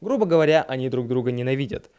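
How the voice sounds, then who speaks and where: A man's voice: medium pitch, animated, quick pace, a little mellow, clean tone. A man narrating a scripted comedic film review in a mocking, sarcastic manner. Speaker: film reviewer and video host.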